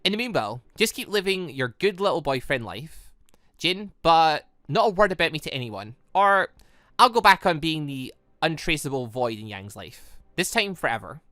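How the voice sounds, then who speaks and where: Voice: medium pitch, sing-song, normal speed, sharp tone, no echo, studio quality. A gaming host voicing a cocky, secretive woman from a visual novel, with a teasing, menacing manner.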